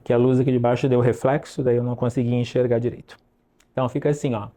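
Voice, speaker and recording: A man teaching an online English lesson, drilling pronunciation slowly and checking in with "ok?" often. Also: mid-range voice, level tone, dark tone.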